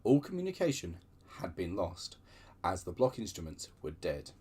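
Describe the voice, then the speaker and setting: A man's voice: deep voice, normal speed, husky. A man hosting his own channel, reading railway book extracts aloud with chatty asides. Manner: lively storytelling with chatty digressions.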